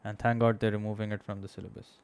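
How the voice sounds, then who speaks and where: A man's voice: fairly low pitch, level tone, racing, gravelly, clean tone. A young man with a Pakistani accent gives an informal live-streamed maths lesson as the teacher, conversational and often checking in with his listeners. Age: young adult. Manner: conversational, checks in with "okay?", slips between English and Urdu. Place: small indoor room at a desk. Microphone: close microphone on a boom arm.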